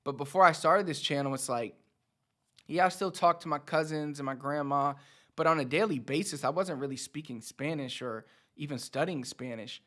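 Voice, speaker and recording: A man in his thirties, a Spanish teacher who hosts his own channel, gives a casual motivational talk to camera. His voice is fairly high and a bit bright, his pace moderate, and he stays conversational, repeating words for emphasis.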